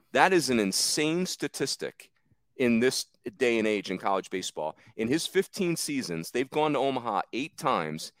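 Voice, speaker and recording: A man's voice: medium pitch, no echo. A man hosting a sports podcast, steering the talk and stressing figures emphatically. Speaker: podcast host steering the discussion.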